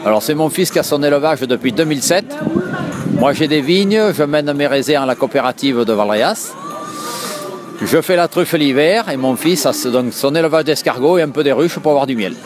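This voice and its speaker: A man's voice: a little high, a little fast, crowd noise. An older man, a truffle grower, answering questions matter-of-factly at an outdoor winter market. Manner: plain, matter-of-fact explaining. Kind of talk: market interview. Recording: music playing behind.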